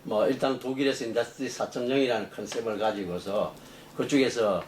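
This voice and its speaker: A man's voice: medium pitch, steady tone, brisk, darkish tone, echoey room, slight background noise. Middle-aged man rambling through technical answers. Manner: rambling explanations with many fillers and restarts. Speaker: engineering professor. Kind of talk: interview answers.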